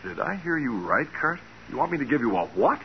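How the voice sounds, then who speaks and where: An actor playing a blustery, reluctant company boss, exclamatory and hesitant, in 1940s radio drama style. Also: male voice, fairly high pitch, very animated, a little fast. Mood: incredulous. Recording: dull, noisy 1940s radio recording.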